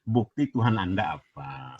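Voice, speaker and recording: A man arguing in a live-streamed debate. His husky voice swings up and down as he presses to be heard and keeps repeating himself. He comes through dull, lo-fi call audio. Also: deep voice, sing-song, measured pace.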